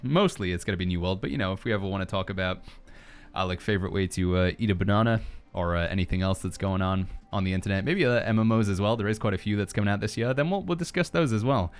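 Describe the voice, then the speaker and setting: A man's voice: lowish voice, quick pace, smooth. A man hosting a podcast in a casual, joking, rambling chat style. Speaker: podcast host.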